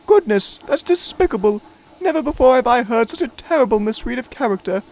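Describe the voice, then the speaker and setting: A man's voice: very high-pitched, animated, brisk, darkish tone, pitched above the performer's own voice. A man voicing a fussy, grand older female engine who speaks in a gushing, affected and dramatic way.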